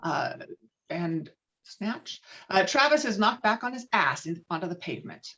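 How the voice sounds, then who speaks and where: A woman's voice: medium pitch, very animated, measured pace, fairly bright tone. A woman reading stage directions as the narrator of a dramatic script table read. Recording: dull, lo-fi call audio.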